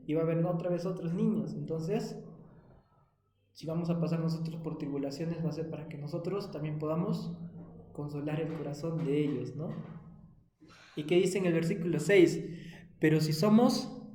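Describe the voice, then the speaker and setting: A man with a Peruvian Spanish accent leads a children's Bible lesson, his voice pitched a little high. He keeps asking the children questions. The recording is echoey, as if made in a hard-walled room. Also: moderate pace, warm tone. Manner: asks the children frequent questions. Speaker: Sunday school teacher.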